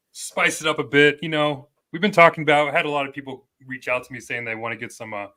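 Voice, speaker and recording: A man's voice: medium pitch, bright, forceful tone. A man co-hosting a hockey podcast, talking in a laid-back, easygoing way. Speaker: podcast co-host. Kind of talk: casual podcast chat.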